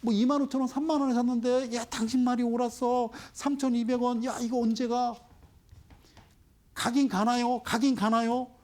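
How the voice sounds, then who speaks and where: Guy putting on a nervous retail investor, high whiny pleading voice, asking when his stock comes back. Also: little pitch movement, moderate pace, a little mellow. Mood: fretful. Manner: pleading, fretful questions. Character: anxious retail investor stuck with losing stock.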